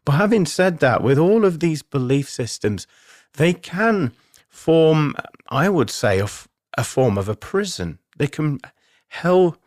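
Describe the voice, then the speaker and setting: A man's voice: mid-range voice, no room sound. Man hosting spiritual radio, dry close sound. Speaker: radio show host, spiritual medium. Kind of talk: spiritual self-help radio monologue.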